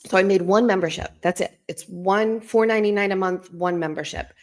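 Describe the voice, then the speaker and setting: A middle-aged woman hosting a live stream from home, chatting in a hushed, rambling way so she won't wake anyone. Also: brisk. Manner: talking low and hushed to keep from waking someone; chatty and rambling, full of asides and restarts.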